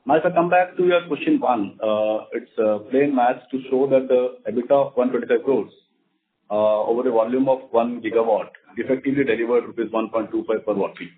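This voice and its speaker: A man with an Indian accent speaking formally and in a measured way as a company executive on an investor call. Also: medium pitch. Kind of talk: prepared remarks and formal investor answers. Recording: narrow, phone-like conference line.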